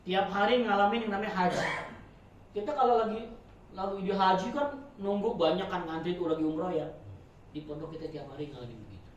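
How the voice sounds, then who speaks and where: An ustadz gives an informal sermon to a religious study circle, chatty and joking, his volume swinging lively between loud and soft. His slightly high voice moves fairly quickly. He's recorded from a distance in a very echoey prayer room, with faint background noise and the highs cut off.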